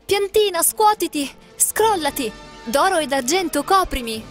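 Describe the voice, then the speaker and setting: A woman reading a fairy tale and voicing a kind young girl who calls out in a high, imploring voice. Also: animated, a little slow, soft background music. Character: gentle pleading young girl, kind and humble.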